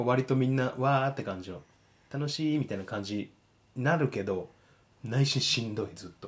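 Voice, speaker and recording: A man speaks at medium pitch and a moderate pace, sounding somewhat breathy. His pitch varies in an ordinary way, and he takes long, frequent pauses. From Kagawa, Japan. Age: 30s. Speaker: podcast host. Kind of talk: casual chat. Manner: low-energy.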